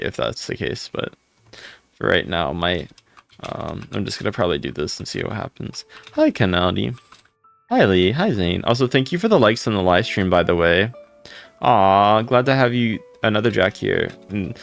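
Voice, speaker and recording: A man with a deep voice chatting casually on a livestream, rambling and greeting viewers by name. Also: gravelly, fairly bright tone.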